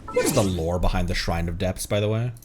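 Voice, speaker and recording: A man's voice: low-pitched, lively intonation, a little fast, very noisy. A man giving casual live game commentary as a streamer, thinking aloud in stammering bursts. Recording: game music behind the voice. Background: video game music.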